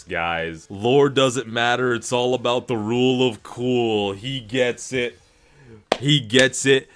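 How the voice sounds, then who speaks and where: A man with a fairly low-pitched voice is livestreaming his reactions. He talks casually to his chat in an animated, slangy way. He swears freely as he gives his commentary. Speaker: streamer reacting to game cutscenes.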